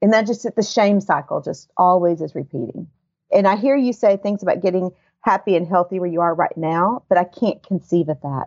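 A woman talks fairly quickly at medium pitch with ordinary pitch variation. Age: 50s. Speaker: coaching client. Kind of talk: live coaching call.

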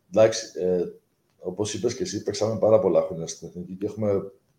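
A man with a fairly low pitch speaks in a dark, mellow tone with fairly even intonation. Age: 40s. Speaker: basketball player. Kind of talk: casual chat.

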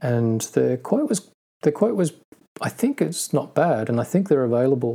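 A man with an Australian accent speaks at a moderate pace, his dark, mellow tone carried by lively intonation. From Sydney, Australia. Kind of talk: casual chat. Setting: video call. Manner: laid-back, filler words.

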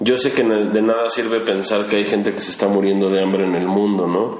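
A man speaks with a Mexican accent, his voice carrying audible room echo over noticeable background noise. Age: 40s. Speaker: entrepreneur. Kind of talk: casual chat.

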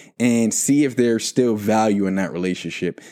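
Using a dark, mellow tone, a man speaks at a medium pitch and moderate pace with ordinary pitch variation. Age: 30s. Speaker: life and relationship coach. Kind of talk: podcast monologue.

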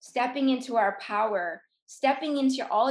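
Her voice is an unremarkable speaking voice, as a woman talks at a fairly slow pace and a fairly high pitch with ordinary pitch variation. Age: 40s. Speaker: yoga teacher. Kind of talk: casual interview.

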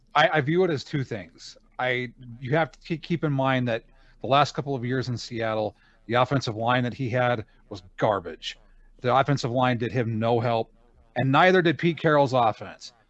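At a moderate pace, a man talks at a medium pitch with ordinary pitch variation. His loudness swings widely. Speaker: sports commentator. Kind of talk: casual sports chat.

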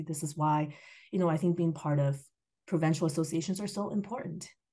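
In an American accent, a woman speaks with a very deep, low pitch, a dark, mellow and somewhat breathy tone, and ordinary pitch variation. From China, then United States. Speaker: city councillor. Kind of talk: interview. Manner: halting, many fillers.

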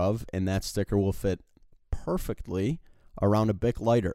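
The speaker is a man. His recording is very clean, with a silent background. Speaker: podcast host. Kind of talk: casual chat.

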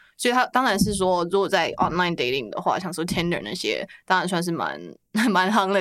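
A woman's plain, everyday voice at a medium pitch with ordinary pitch variation. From New Zealand and Taiwan. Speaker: journalist and media founder. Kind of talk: casual chat.

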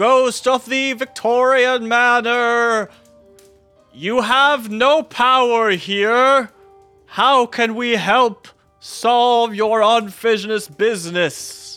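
Loud and at a very slow pace, a put-on character voice at a fairly high pitch plays over faint music in the background. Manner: loud, theatrical.

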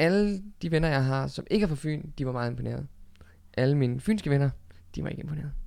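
This man rattles along at a very fast pace, his pitch fairly high and its variation ordinary. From Denmark, Funen. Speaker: company co-founder. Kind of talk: interview.

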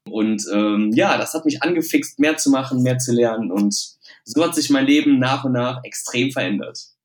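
A man with a plain, everyday voice talks at a medium pitch and moderate pace with ordinary pitch variation. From Rhineland, Germany (Hilden near Düsseldorf). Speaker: magician and motivational speaker. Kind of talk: podcast interview.

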